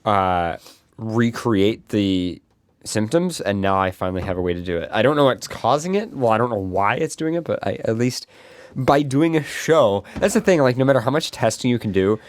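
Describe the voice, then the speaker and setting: A man's voice: lowish voice, normal speed, no room sound. A man co-hosting a live podcast, telling rambling stories in casual chat. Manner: rambling, lively storytelling. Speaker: podcast co-host. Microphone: studio microphone.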